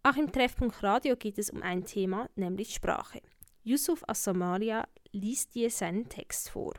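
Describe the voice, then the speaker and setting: A woman's voice: medium pitch, unhurried, no echo. A woman hosting a radio programme, reading scripted narration between guests. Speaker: radio host.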